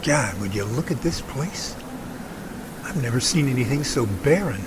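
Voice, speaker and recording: A man's voice: medium pitch, expressive, moderate pace, background noise, close to an everyday voice. A man playing an earnest, anxious twenty-seven-year-old survey worker in an amateur radio drama. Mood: bewildered.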